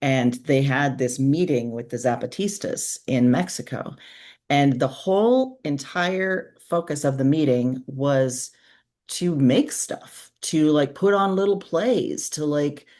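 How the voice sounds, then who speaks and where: A woman's voice: low voice, expressive, slow, a little mellow. Earnest, informal woman in conversation. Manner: earnest, informal, peppered with like and you know. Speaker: interview guest, author and podcaster. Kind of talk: casual conversational interview.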